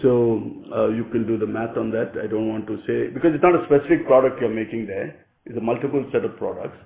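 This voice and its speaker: An Indian man answers questions as a company executive on a conference call. His voice has a gravelly creak and comes through a thin, echoey phone connection. He talks conversationally, hedging and pausing as he goes. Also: mid-range voice. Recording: echoey, narrow telephone conference line.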